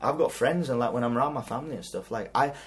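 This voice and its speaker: A young man in his twenties, born in Pakistan with Urdu as his first language, telling a story in an animated, slangy way on a podcast. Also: mid-range voice, fast, husky. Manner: animated slangy storytelling, heavy use of "like" and "bro". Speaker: podcast host. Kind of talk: casual chat.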